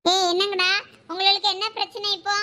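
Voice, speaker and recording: A woman's voice: very high-pitched, little pitch movement, a little fast, bright, forceful tone, slight background noise. A woman playing an arrogant, taunting female college bully. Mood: defiant. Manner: rude, taunting.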